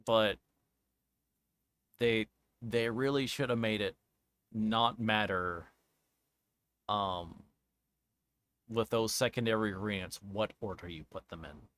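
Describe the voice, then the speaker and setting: A man giving casual, rambling commentary as a game streamer, halting and searching for words, often trailing off mid-thought. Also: lowish voice, fairly bright tone. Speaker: streamer reviewing a visual novel game.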